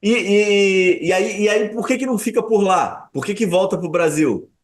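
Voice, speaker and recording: A man's voice: high voice, moderate pace. Stammering male podcast host. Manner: stammering repeated words, skeptical follow-up questions. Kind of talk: casual interview chat.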